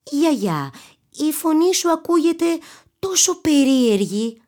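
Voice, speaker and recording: Woman doing little girl in red hood, storybook, very high voice, eager, pleading. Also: sing-song, a little mellow. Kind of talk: storybook character voice.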